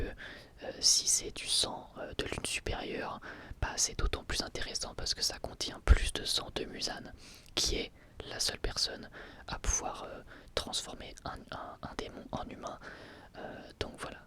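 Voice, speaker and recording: A man whispering an ASMR review of an anime episode as the channel host, speaking hesitantly with frequent filler sounds and restarts. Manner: soft whisper throughout.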